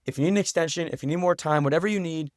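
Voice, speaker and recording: A man with a slightly high-pitched voice talks as an interview guest. He is earnest and reflective, thinking his way through answers. The sound is close and dry, with no room echo. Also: rapid-fire. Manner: earnest, thoughtful. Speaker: podcast guest, writer and teacher.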